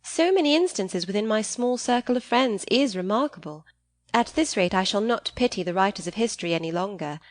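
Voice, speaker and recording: A woman's voice: medium pitch, lively intonation, fairly quick, no echo, close to an everyday voice. Lady reading as naive teen girl in an old storybook, eager, candid, very earnest, dry sound. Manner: eager, apologetic, artless.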